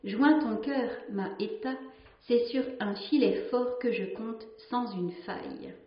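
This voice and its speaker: A woman's voice: a little high, takes it slowly. A woman voicing a stern old fisherman father who speaks solemnly and gives orders. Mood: commanding. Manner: commanding, solemn. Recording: roomy, slightly dull recording.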